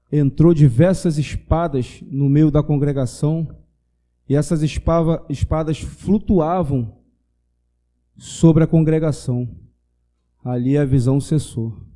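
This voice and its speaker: A man giving a loud, urgent testimony of a vision from within a congregation. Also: fairly high pitch, fairly even intonation, a little slow, pauses often. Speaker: church member sharing a vision.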